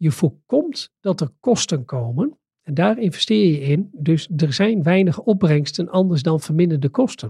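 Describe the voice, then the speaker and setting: With a high pitch yet a dark, mellow tone, a man speaks at a moderate pace using very wide pitch swings, the sound dry and close with no echo. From Drenthe, northern Netherlands. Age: 50s. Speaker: research organisation director. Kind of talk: interview. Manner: hesitant, many filler sounds.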